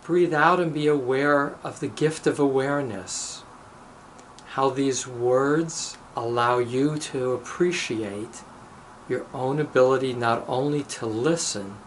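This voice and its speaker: A man of medium pitch guides a meditation and recites blessings as a rabbi would. His delivery is very slow and deliberate, broken into short phrases with pauses. A light noise sits behind the voice. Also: fairly even intonation, rough recording. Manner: measured, deliberate, pausing between short phrases.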